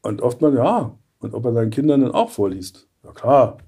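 A man in his sixties, a voice actor chatting as a guest in an interview and telling stories lively, acting out little scenes. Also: medium pitch, normal speed, slightly rough. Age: 60s. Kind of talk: casual interview chat.

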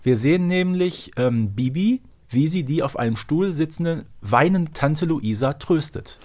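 A man's voice: fairly high pitch, lively intonation, unhurried, darkish tone. A man co-hosting a casual podcast discussion, explaining things in detail in a conversational way. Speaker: podcast co-host.

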